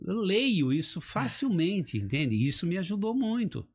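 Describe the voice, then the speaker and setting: A middle-aged man chats about public speaking on a podcast. His voice swoops up and down as he acts out examples, and it has a slightly husky edge. He sounds emphatic and animated. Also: high voice, a little slow. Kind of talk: casual podcast chat.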